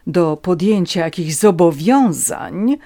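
A woman's voice: on the low side, animated, takes it slowly, warm tone, exaggerated voice. A woman voicing a haughty aristocratic countess who speaks with cold contempt. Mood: contemptuous.

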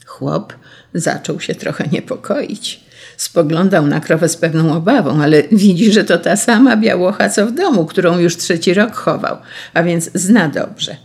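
A storyteller recounts an old folk tale at a steady, measured pace. The mid-range voice is gravelly, with a husky edge.

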